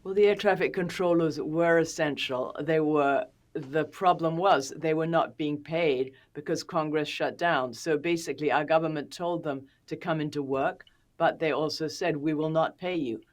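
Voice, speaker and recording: A woman's voice: deep voice, moderate pace. A woman speaking as a policy expert in an interview, explaining methodically with questions and plain examples.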